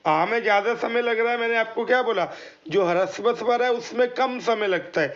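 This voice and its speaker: At normal speed and in a very high voice, this man leads an exam prep lesson, sounding letters aloud, answering questions he poses himself, and addressing listeners as friends as he goes step by step. The recording's highs are cut off.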